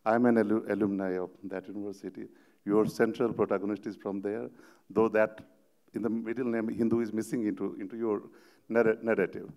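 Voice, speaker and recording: A man interviewing an author on a festival stage, halting and repeating words as he asks long questions. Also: lowish voice, flat delivery, a little mellow. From Madhes, Nepal. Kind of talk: literary panel interview.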